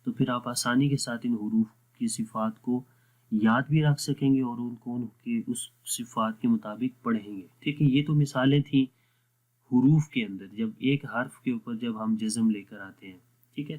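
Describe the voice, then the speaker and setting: A man teaching Quran recitation rules with an Urdu-speaking South Asian accent, patiently explaining and slowly drawing out example words. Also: medium pitch, a little mellow, low-quality recording. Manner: patient, repeats letter sounds slowly and deliberately. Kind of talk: slow explanatory lesson with drawn-out recited examples.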